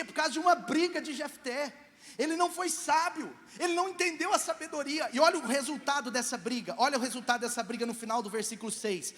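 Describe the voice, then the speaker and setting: A man preaching a sermon as pastor at a church service, animated and calling on the congregation to answer back. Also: very high-pitched. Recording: long church hall reverb.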